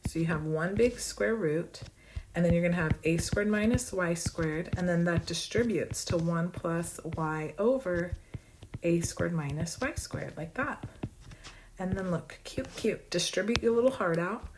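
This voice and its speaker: Hoarse woman teaching math, brisk and bubbly. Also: lowish voice, background noise. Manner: brisk and bubbly, playful asides. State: losing her voice, hoarse. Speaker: math professor. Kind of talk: fast exam walkthrough.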